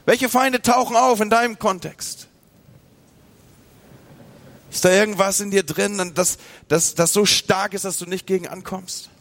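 A man preaching a sermon, from northern Germany, talking straight to his listeners and acting out their inner voices. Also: high voice. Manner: lively, speaks to the listener directly, acts out inner voices. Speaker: pastor.

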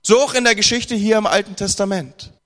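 High-voiced preacher in a reverberant hall. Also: male voice, fairly quick. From northern Germany. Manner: lively, humorous retelling with mock dialogue. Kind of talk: sermon with scripture reading.

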